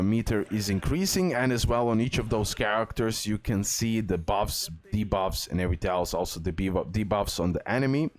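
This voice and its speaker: This guide host walks through a video game in a relaxed, explanatory way, his voice sitting fairly low. He phrases things like a non-native English speaker and frequently repeats words and phrases.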